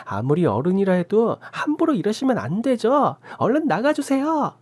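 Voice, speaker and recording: A woman voicing a selfish young sister-in-law who streams online, protesting in a shrill, whiny voice. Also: very animated, normal speed, darkish tone, slightly rough, no room sound.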